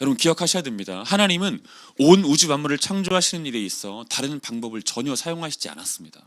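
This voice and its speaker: A man with a fairly high voice at a very fast pace, his pitch swinging very widely and his loudness rising and falling sharply. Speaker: pastor. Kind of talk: sermon.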